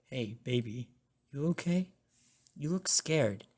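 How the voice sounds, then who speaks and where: A woman voicing a caring, dominant young college boyfriend in an ASMR roleplay, with a hushed, soothing and commanding manner. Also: rumbling low, animated, slow pace, full character voice. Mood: concerned.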